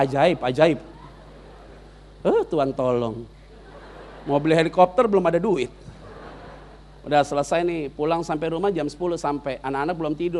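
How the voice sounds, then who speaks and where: A man with a high-pitched voice preaches a sermon as if chatting with friends, full of street slang. He tells stories by acting out every voice in the dialogue himself. His delivery drops to quiet asides, then jumps to loud, excited bursts. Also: slight background noise. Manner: acts out both sides of dialogues. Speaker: pastor.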